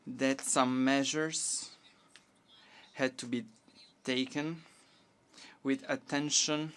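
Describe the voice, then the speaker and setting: A Portuguese government minister, a native Portuguese speaker, gives a formal conference statement in her second language. Her voice is clean, smooth and rumbling low, and her measured delivery turns halting in places, with restarts.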